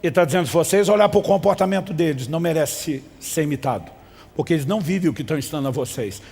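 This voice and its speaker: A Brazilian man preaches emphatically from the pulpit, urging the congregation to repeat after him. His voice sits a little high for a man. It rings with the long reverb of a large church hall. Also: animated, racing, gravelly, a little mellow, husky. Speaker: pastor. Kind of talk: sermon.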